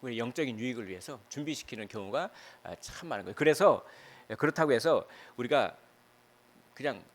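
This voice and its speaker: A male pastor preaching a Sunday sermon in a church, chatty and animated, with many fillers and rhetorical questions. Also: mid-range voice, a little fast. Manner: animated, piling up emotional verbs. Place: church sanctuary.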